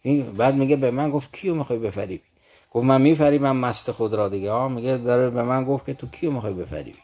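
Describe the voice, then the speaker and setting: A man talks through classical poetry in an earnest, explanatory manner. He reads each verse slowly and then explains it in plain conversational speech. His pitch sits in a middle range for a man. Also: a little mellow. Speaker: literature commentator.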